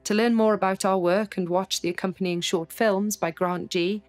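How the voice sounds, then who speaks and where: A woman's voice: mid-range voice, fairly even intonation, moderate pace, a little mellow, faint music behind. A woman announcer giving a scripted read of closing credits for a podcast.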